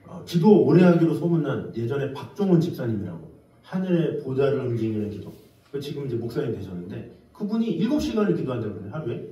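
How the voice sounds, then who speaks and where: A man preaching a Sunday sermon as pastor, animated, acting out pleading prayers in a high voice. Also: dull audio. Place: church sanctuary. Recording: echoey church from a distance.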